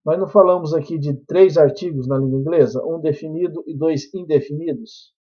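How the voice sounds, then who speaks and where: Husky Brazilian teacher, patient, checks in often. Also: male voice, a little high, brisk, lo-fi sound. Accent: Brazilian Portuguese. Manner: patient, checks in constantly with tag questions. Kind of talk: recorded class explanation.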